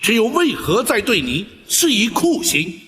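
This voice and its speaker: An actor playing a stern imperial judge in a period drama, stately, deliberate and authoritative. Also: male voice, high-pitched, sing-song, pushed and bright, exaggerated voice. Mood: stern questioning. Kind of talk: theatrical Chinese period drama acting. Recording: reverberant hall.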